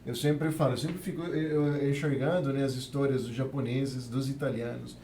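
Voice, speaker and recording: Man, guest on a podcast, earnest, relaxed dark voice, faint rumble behind. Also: normal speed, echoey room. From Venezuela. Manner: earnest, tags nearly every phrase with a questioning "né". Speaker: guest, immigrant community worker. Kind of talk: podcast interview, telling his experience.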